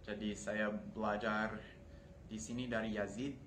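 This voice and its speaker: A man's voice: lowish voice, flat delivery, unhurried, fairly bright tone. A young American man, a native English speaker, talking casually to camera as a foreigner speaking Indonesian. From United States. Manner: foreigner speaking Indonesian, with Malay-tinged wording. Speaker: university language student. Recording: clearly noisy room ambience.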